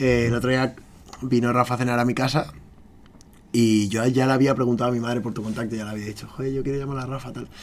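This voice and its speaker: A man talks very fast in a flat, monotone delivery. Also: medium pitch for a man. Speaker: podcast host. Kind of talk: casual chat.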